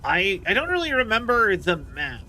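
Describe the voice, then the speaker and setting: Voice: mid-range voice, huge pitch swings, moderate pace, sharp tone. A game streamer giving casual live commentary, rambling and thinking aloud while playing. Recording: clear game noise behind voice.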